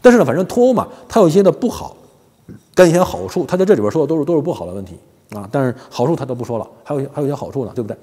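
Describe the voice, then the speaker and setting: A man's voice: medium pitch, very animated, rapid-fire, warm tone, breathy edge, big-room sound. A man hosting a casual monologue, telling rambling stories and often checking in with "you know?". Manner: rambling storytelling, keeps asking "you know?". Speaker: host.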